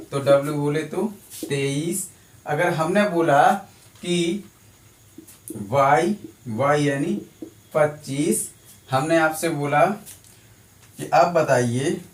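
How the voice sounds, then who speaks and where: A male teacher giving a classroom lecture, drilling students with repetitive question-and-answer. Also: fairly high pitch. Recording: echoey room from a distance.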